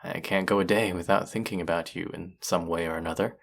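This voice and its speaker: A man's voice: low-pitched, fairly even intonation, brisk, gravelly. A man acting a cocky, teasing male chef in an intimate romantic audio roleplay, speaking to his rival and love interest. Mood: flustered, earnest.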